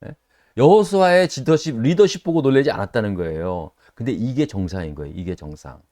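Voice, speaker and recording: Middle-aged guy preaching at bible study, pitch swings all over, close dry sound, keeps asking the room questions. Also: a little fast, dry recording. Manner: animated preaching, rhetorical questions to listeners; acts out quoted voices with sudden jumps in pitch. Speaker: pastor.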